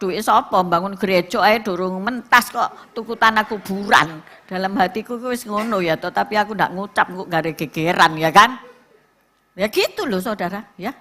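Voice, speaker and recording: A middle-aged woman pastor with a Javanese accent, preaching a sermon to a church and telling stories with lively asides to the congregation. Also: mid-range voice. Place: church service.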